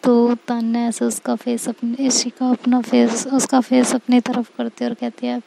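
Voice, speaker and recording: A woman narrating a romantic story in a relaxed, conversational way. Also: on the high side, normal speed, gravelly, background noise.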